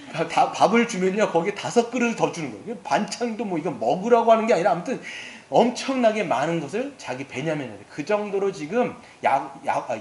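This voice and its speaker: A male pastor preaching a sermon in an animated, storytelling way, often asking the congregation questions. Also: on the high side. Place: church sanctuary. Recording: echoey hall with faint background hiss.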